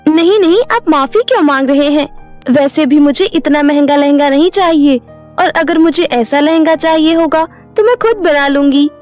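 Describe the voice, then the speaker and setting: A woman voicing a modest young village girl who sews, in an animated storybook. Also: sits high, moderate pace, faint music behind, close to an everyday voice. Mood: earnest. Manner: polite, modest and earnest. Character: sweet young village girl, humble seamstress. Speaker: voice-over artist.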